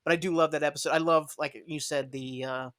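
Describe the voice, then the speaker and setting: A man's voice: a little high, fairly even intonation, brisk, fairly bright tone. A man hosting a podcast, chatting casually and rambling with fillers and frequent laughs. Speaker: podcast host. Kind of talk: casual chat.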